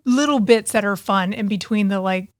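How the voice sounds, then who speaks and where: A woman's voice: medium pitch, normal speed, no room sound, clean studio sound. A young adult woman co-hosting a podcast in casual chat, laughing often and acting out the lines she quotes. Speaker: podcast co-host, author.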